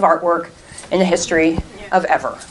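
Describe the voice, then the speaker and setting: Soft background noise is present. A woman talks over it. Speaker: presenter. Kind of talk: travel talk presentation. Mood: enthusiastic, lightly humorous. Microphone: handheld.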